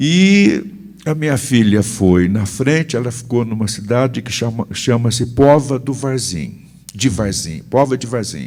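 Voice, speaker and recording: Lively intonation from a man with a rural Brazilian accent, medium pitch and a fairly slow pace. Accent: rural Brazilian countryside. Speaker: businessman. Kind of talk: interview.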